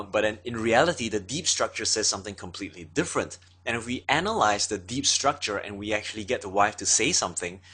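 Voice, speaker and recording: A man's voice: lowish voice, pushed and bright, slightly rough. A man giving an explanatory lecture as an instructor, talking steadily with frequent fillers.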